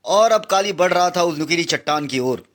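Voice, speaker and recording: A man's voice: on the high side, expressive, normal speed, fairly bright tone. A man reading a comic book aloud with dramatic, exclamatory narration.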